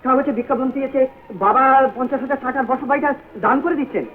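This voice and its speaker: An actor playing an excitable young husband who talks in quick, fussy exclamations, in a vintage film drama. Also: male voice, extremely high pitch. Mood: excited. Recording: tinny lo-fi old film sound.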